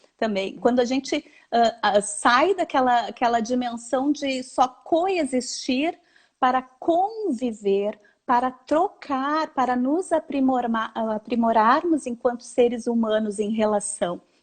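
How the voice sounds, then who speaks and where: A high-pitched woman with a strong Porto Alegre accent, lively intonation and a very slow pace, against a quiet background. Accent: strong gaúcho Porto Alegre. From Brazil, Porto Alegre (Rio Grande do Sul). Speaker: theology doctoral researcher and educator. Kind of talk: live online talk on philosophy. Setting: video livestream.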